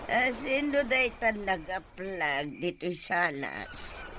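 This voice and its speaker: A performer playing an elderly, fussy grandmother in an Ilocano drama, halting and full of hums and interjections. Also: medium pitch, lively intonation, pushed and bright. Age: older. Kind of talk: Ilocano audio drama acting. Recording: noisy amateur recording.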